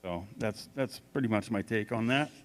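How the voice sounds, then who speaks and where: A man answering informally as a local candidate, plain-spoken and halting, recorded in a reverberant hall. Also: on the low side. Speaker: candidate for town selectman. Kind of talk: informal off-the-cuff answer at a forum. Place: arts center hall.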